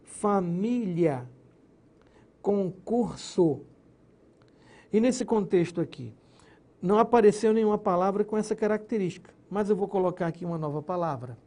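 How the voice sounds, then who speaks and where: A man's voice: high voice, fast, darkish tone. A man teaching a recorded grammar lesson, explaining step by step, splitting words into syllables and checking in with his students. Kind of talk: recorded exam-prep lesson.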